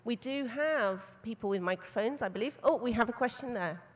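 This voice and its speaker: A woman moderates a conference panel, polite and appreciative toward the speakers. Her voice sits somewhat high. A long hall reverb surrounds her words. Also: expressive, fairly quick.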